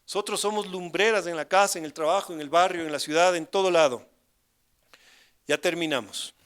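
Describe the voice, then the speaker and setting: An older man preaches a sermon in a fairly high voice. He tells a story to the congregation, dropping to hushed asides and swelling to loud declarations. He often turns to the listeners with rhetorical questions. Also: fairly quick, clean tone. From Ecuador. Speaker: pastor.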